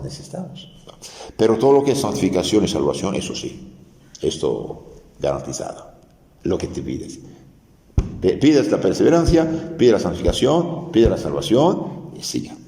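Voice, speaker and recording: A man's voice: sits low, warm tone. A man, a priest, giving an earnest, explanatory sermon with restarts. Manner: earnest, explanatory preaching with restarts and dramatized Gospel quotes. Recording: echoey, reverberant hall.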